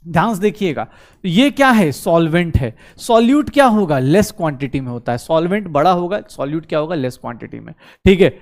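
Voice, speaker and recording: A male chemistry teacher, giving an online class lecture in a brisk, coaxing way, asking questions and answering them himself. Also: on the high side, big pitch swings. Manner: mixes Hindi with English terms, calls students beta.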